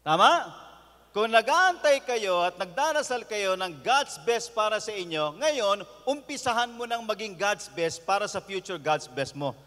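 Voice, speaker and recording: A man with a Filipino accent preaching a lively sermon as a pastor, talking straight to the crowd. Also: high voice, a little slow. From Philippines. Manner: animated, talks straight to the crowd. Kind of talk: sermon at a youth conference. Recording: long hall reverb from a live event.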